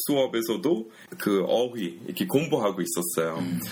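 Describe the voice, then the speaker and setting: Pitch swinging across a very wide range, a man talks fairly slowly. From US. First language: English (speaking Korean). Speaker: podcast host. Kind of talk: casual chat.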